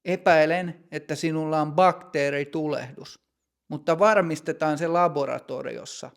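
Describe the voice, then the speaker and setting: A man voicing a calm, businesslike doctor in a read-aloud storybook lesson, asking brisk questions. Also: fairly high pitch, gravelly.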